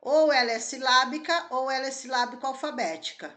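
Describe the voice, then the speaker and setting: A high-pitched, slightly fast and somewhat bright female voice leads students through an exam problem in careful steps. The teacher asks the class questions throughout this exam-preparation walkthrough.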